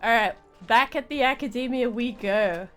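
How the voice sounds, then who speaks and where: A woman's voice: on the high side, normal speed. A woman chatting casually as she live-streams a video game, rambling and often restarting her phrases. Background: game music.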